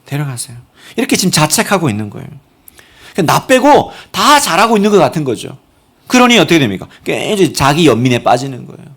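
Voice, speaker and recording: A middle-aged male pastor delivering a Sunday sermon in a church. His voice sits a little high and swings through a wide, animated pitch range. He moves between hushed, confiding lines and loud, emphatic ones. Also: fast. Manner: expressive, acts out voices and quotes with sudden loud and soft swings. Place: church sanctuary.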